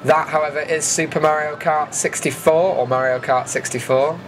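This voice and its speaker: A man's voice: on the high side, fairly even intonation, normal speed, fairly bright tone, slight background noise. A man giving a casual, dryly jokey voice-over commentary as the host of an event video.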